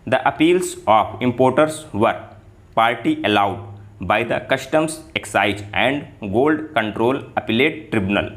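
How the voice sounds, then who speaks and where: A man dictating formal legal text for shorthand practice, reading it out in deliberate, separated phrases. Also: medium pitch, expressive, fairly bright tone.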